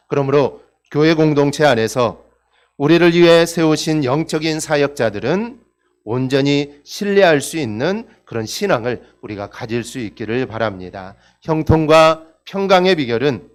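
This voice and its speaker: A male pastor giving an earnest, emphatic sermon. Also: fairly high pitch.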